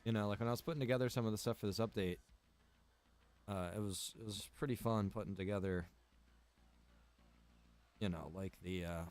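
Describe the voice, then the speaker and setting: A man's voice: lowish voice, a little fast, long pauses, a little mellow. A man talking casually and easily to viewers as he hosts a live gameplay stream, chatty and direct. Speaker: game streamer and server admin.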